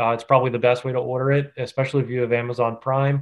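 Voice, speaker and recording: With an American accent, a man speaks at a medium pitch. His pace is very fast and his intonation monotone and flat. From Pennsylvania, Lancaster County. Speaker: children's book author and trades advocate. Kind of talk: casual interview.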